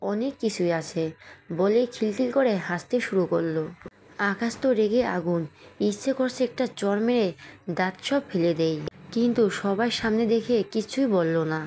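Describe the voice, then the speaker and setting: A woman's voice: medium pitch, normal speed, mellow. A woman narrating a romantic audio story, naming each character before their lines.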